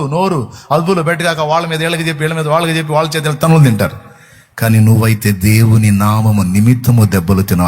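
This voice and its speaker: A male pastor with a slightly high voice preaches an impassioned sermon, pressing his listeners again and again with rhetorical questions. There's a little hiss or hum in the background.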